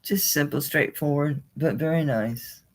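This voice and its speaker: Speaking in a low-pitched, unhurried way, a woman sells jewelry online through a live auction captured in a low-quality recording. She keeps things chatty and casual, laughs frequently, and talks to herself while going through the items.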